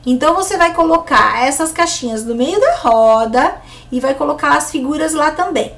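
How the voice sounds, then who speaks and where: Brief: Brazilian woman, high voice, lively swings, patient instructor for teachers. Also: normal speed. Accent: Brazilian Portuguese. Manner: clear explanatory pace with lively pitch swings. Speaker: teacher giving an online course. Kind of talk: instructional lesson for educators.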